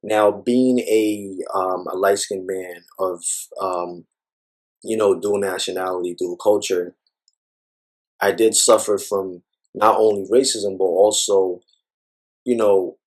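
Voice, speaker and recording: Husky low-voiced man reflecting at length. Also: steady tone, measured pace, a little mellow. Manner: thoughtful, rambling with frequent fillers. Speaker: interview guest. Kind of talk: reflective personal conversation.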